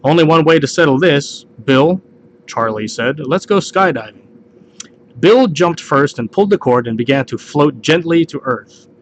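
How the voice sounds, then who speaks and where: A man's voice: fairly high pitch, lively intonation, normal speed, slight background noise, rough recording. A man reads party jokes aloud in a casual way, hosting a home video and sometimes stumbling over the text and rereading lines.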